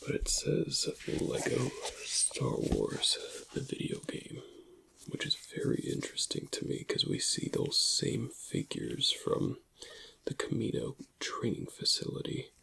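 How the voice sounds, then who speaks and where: Man acting slow, whispery, gravelly black market dealer. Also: mid-range voice, huge pitch swings, noisy background, heavily acted. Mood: intrigued, appraising. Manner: hushed, unhurried, musing over goods. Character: shady long-lived alien black market antiquities dealer, male. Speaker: ASMR performer. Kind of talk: ASMR roleplay, whispered and softly spoken.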